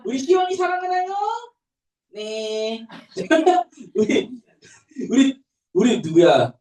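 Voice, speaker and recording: A young adult man gives a children's sermon in a high, lively, sing-song voice, his pitch bouncing up and down as he talks to little ones. He sounds a bit far from the mic, and the church room around him rings with echo. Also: takes it slowly. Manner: animated, sing-song storytelling to toddlers. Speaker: pastor. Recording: echoey room, voice from a distance.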